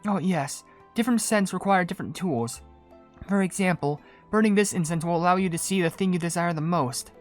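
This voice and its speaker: Composed female perfumer for a fantasy game, woman actor: low, soft-spoken, polite, faint music behind. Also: fairly quick, lightly acted. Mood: gently explaining. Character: gentle, composed adult female cookie perfumer. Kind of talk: video game voice acting.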